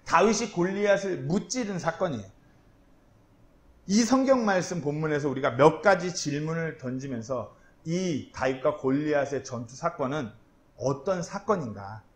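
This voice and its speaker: A man preaching a sermon as pastor, telling the story in a lively way with personal asides. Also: a little high. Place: church.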